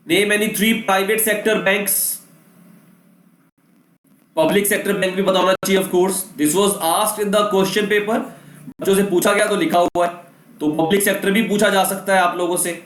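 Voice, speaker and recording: High-pitched coaching teacher, echoey room. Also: male voice, fairly even intonation, measured pace, fairly bright tone. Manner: mixes Hindi and English, lists questions in bursts. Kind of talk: exam-prep lesson. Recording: echoey room with faint noise.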